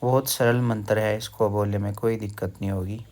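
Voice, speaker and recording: A man teaching wedding mantras, reciting slowly and breaking words into syllables for the listener to repeat. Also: fairly low pitch, steady tone, creaky, darkish tone. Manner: slow, careful recitation with syllable-by-syllable drilling. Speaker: Sanskrit teacher.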